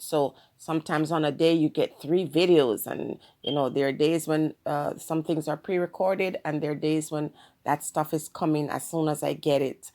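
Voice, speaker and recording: Earnest Jamaican woman hosting her channel. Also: low-pitched. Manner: earnest, measured, speaks of spiritual guidance. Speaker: channel host. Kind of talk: solo commentary to camera.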